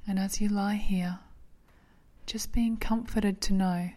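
Female sleep meditation narrator, soft half-whisper, soothing, level pitch, unhurried delivery. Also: fairly even intonation.

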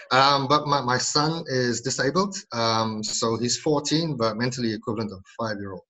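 A man's voice: medium pitch, unhurried, sharp tone, slight background noise, poor audio. A man in his forties from South Africa, a podcast guest chatting casually, jokey and often laughing, with plenty of ums. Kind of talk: casual interview chat.

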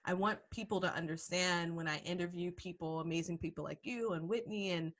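A woman's voice: lowish voice, brisk. A woman hosting a podcast, chatting casually and enthusiastically with her guest. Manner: enthusiastic, gets excited and laughs. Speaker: podcast host and hygienist coach. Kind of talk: casual podcast interview chat.

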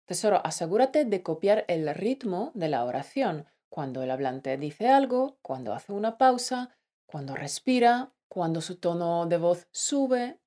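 A woman's voice: fairly low pitch, darkish tone. Woman, podcast co-host, playful, affectionate, scripted lesson. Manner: playful, affectionate, addresses listener as "tesoro". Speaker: podcast co-host, Spanish teacher.

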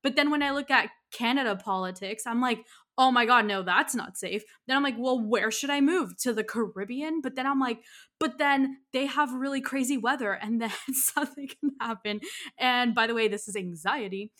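A woman's voice: on the high side, moderate pace, a bit bright. A woman in her thirties from Miami, hosting a podcast in a candid, ranting monologue that is often broken by laughter. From United States (Miami). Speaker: podcast host. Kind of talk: casual monologue.

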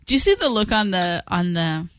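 A woman's voice: on the low side, very animated, normal speed, a bit bright, clean tone, no echo. A woman co-hosting a fan podcast in casual chat, frank and a little sleepy, laughing easily. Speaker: podcast co-host.

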